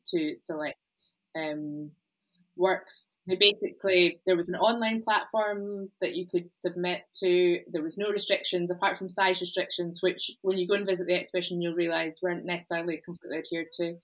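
A woman's voice: on the low side, rough recording. Hesitant woman curator explaining. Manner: hesitant, many ums. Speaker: exhibition curator. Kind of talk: explanatory conversation.

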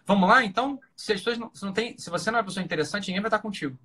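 A man with a Brazilian accent giving informal, opinionated advice in a blunt, emphatic way, repeating phrases and asking rhetorical questions, with a husky voice. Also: sits high, rapid-fire, pushed and bright. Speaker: live-talk host giving relationship advice.

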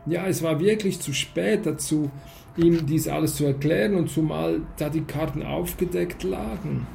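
A man reading a first-person literary story aloud in a measured way, with occasional slips and restarts. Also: fairly high pitch, creaky, dark tone, a little hiss or hum. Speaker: audiobook reader.

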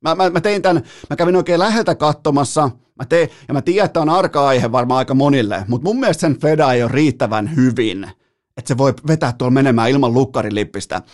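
Chatty man telling a sports story. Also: medium pitch. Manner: rambling, animated storytelling with frequent fillers and laughs. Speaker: sports podcast host. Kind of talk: casual sports chat.

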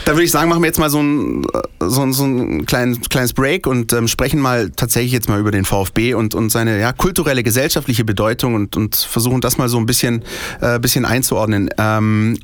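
A man's voice: mid-range voice, fairly quick, no echo. Man moderating a podcast chat. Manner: steering, asks questions, some hesitation. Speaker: podcast host. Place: studio.

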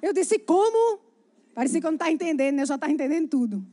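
A woman preaching, her voice set high and bright. She tells her sermon as a chatty, animated story and keeps turning to speak directly to the congregation. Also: racing.

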